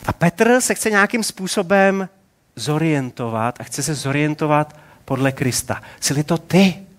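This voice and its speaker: Conversational male preacher, higher voice. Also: a bit bright. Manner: conversational, colloquial, rhetorical questions. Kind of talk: sermon.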